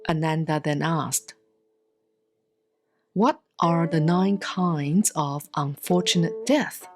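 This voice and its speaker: A woman giving a solemn, scripted reading of scripture in measured, deliberate phrases with frequent pauses. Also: low-pitched, faint music behind. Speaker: sutra reader, Buddhist nun.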